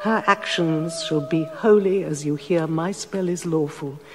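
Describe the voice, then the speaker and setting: A loyal, commanding older noblewoman, calling forth a wonder in solemn, incantatory verse. She speaks slowly, her voice carrying a long hall reverb over faint music. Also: deep voice. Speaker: actress playing Paulina. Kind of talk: classical stage acting, audio drama.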